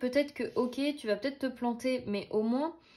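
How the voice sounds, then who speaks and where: On a very clean recording with a silent background, a woman speaks at a high pitch with ordinary pitch variation. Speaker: tarot reader. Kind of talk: tarot reading. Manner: animated.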